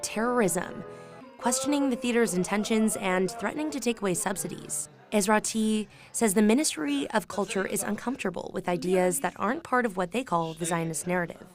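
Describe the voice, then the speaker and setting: Woman reporter, voice-over for a news feature, clear music underneath. Measured read. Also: medium pitch. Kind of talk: scripted news package narration.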